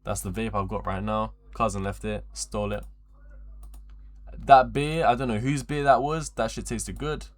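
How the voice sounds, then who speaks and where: A man's voice: on the low side, fairly even intonation, moderate pace. A twenty-year-old man chatting casually on a livestream in a rambling, slangy, repetitive way, with frequent swearing. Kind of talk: casual livestream chat to viewers.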